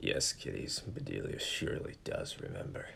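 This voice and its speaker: A man's raspy, put-on character voice at a moderate pace, with clear background noise. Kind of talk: horror host narration. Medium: read story. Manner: mocking, gleeful, laughing.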